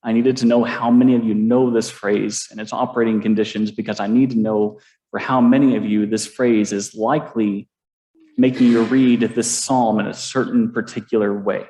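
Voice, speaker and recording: A male preacher giving a sermon with a mellow, darker tone. He jokes with the congregation and keeps things light. His voice carries through a roomy church sanctuary. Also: on the low side, steady tone, moderate pace. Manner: playful, interactive, self-deprecating humor with the congregation.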